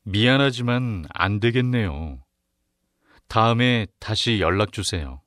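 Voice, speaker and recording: Guy reading exam questions n dialogue, very slow, dry studio sound. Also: lowish voice, fairly bright tone, dry recording. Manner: slow, carefully enunciated. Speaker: narrator and dialogue reader on a Korean listening exam. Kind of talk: scripted exam narration and dialogue.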